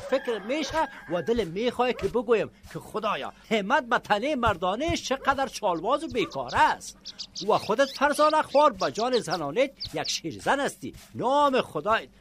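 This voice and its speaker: Effusive Afghan village man, lively and high-voiced. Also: a little hiss or hum, exaggerated voice. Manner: effusive, colloquial, repeats pet phrases. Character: folksy, good-hearted village man full of blessings. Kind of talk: radio drama acting.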